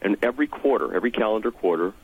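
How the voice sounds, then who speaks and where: A man's voice: on the low side, lively intonation, very fast, darkish tone, breathy edge. A man explaining policy points as a guest in a radio interview, over a thin phone line. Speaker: interview guest, technology trade association representative.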